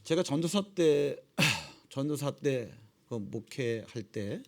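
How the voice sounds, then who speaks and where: A middle-aged man preaching a sermon as pastor, acting out dialogues and dropping suddenly to low, quiet tones. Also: lively intonation, slow, vocal fry.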